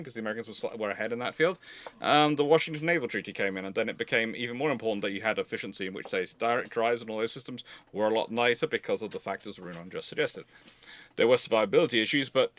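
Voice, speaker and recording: A man's voice: on the low side, fairly bright tone. A man hosting a live unscripted Q&A, explaining in a rambling way and often repeating and restarting his phrases. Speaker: host of a live naval history Q&A.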